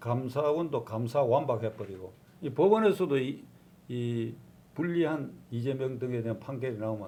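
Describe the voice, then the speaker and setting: The voice is somewhat breathy, with a dark, mellow tone. It moves at a moderate pace with ordinary pitch variation. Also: man. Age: 80s+. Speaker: former politician. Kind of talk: interview answer.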